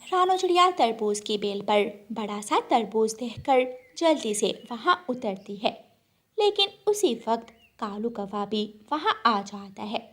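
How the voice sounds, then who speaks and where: A woman narrating a cartoon story in a calm, measured storytelling manner. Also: on the high side.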